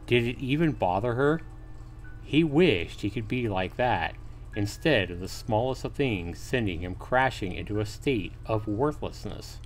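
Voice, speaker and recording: A man's voice: on the low side, animated, a little slow. A man hosting a livestream, reading a visual novel aloud as a narrator with casual asides. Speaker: livestream host. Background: faint music.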